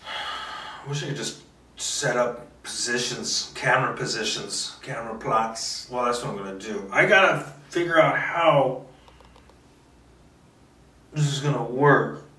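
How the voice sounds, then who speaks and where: Male script reader, bright and forceful, stumbles through stage directions, distant roomy mic. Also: mid-range voice, a little slow, long pauses. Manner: stumbles and rereads lines. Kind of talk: screenplay table read, reading stage directions.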